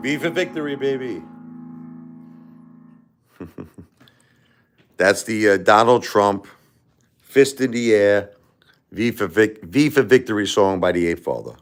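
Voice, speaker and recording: A deep-voiced man from the United States chatting loosely on a livestream. He rambles, repeats himself and often restarts his sentences, and he speaks directly to the people watching. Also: lively intonation, takes it slowly, pauses often. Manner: rambling, repeats and restarts, talks straight to viewers. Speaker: livestream host. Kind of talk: casual livestream chat.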